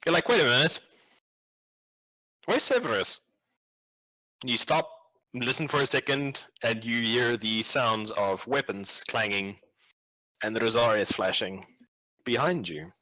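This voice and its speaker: A man's voice: medium pitch, a little slow, bright, forceful tone, rough recording. A man acting as game master, improvising tabletop game narration in a casual, sweary, slangy way.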